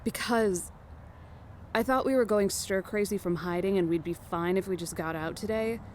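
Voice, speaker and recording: A woman's voice: mid-range voice, normal speed, lightly acted. A woman acting a weary, protective young leader of fugitives in an audio drama, with a subdued, serious delivery. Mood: weary, resigned. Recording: noisy outdoor ambience bed.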